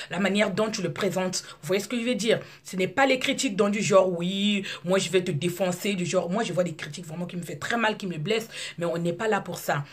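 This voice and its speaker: A woman in her thirties from Congo, whose first language is Lari, talking to her viewers in an outspoken monologue with frequent halting restarts. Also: fairly low pitch. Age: 30s. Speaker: video blogger. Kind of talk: casual monologue to camera.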